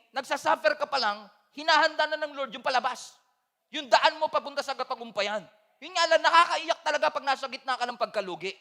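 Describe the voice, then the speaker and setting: High, bright-voiced pastor preaching in a hall. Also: male voice. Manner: swings from loud emphatic preaching to soft confiding tones. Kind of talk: sermon. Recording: long hall reverb.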